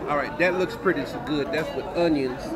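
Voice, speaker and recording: Someone speaks at a fairly slow pace while crowd noise fills the background. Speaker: vlogger husband. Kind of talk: casual vlog chat. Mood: playful, joking. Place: cafe. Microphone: phone near.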